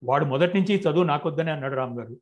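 A man reading the lines of a grieving, guilt-ridden young woman, quiet and firm. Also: fairly high pitch, racing, close to an everyday voice.

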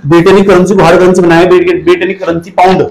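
High-voiced man drilling students in an echoey room. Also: level tone, racing, gravelly, a little mellow. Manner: repetitive drilling, asks students questions; scolds students. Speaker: teacher. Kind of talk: exam-prep lecture.

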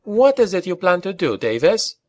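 A man voicing a severe, hard woman with a sharp manner in an audiobook. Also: high voice, big pitch swings, normal speed, pitched above the performer's own voice. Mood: demanding.

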